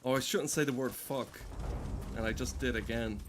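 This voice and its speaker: A man's voice: mid-range voice, moderate pace, a little hiss or hum. A man casually streaming a game, rambling and swearing with dry, joking commentary.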